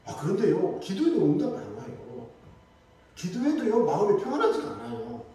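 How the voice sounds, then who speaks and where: A man preaching a Sunday sermon in lively storytelling style, acting out the voices of the people in his stories. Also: high voice, brisk. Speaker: pastor. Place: church sanctuary. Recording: echoey church hall, mic from a distance.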